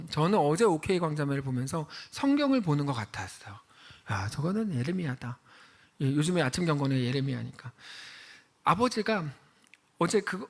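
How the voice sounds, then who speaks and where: A male pastor preaching a lively sermon, acting out dialogue from a drama he watched. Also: fairly high pitch. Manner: animated, acts out drama dialogue with raised voice.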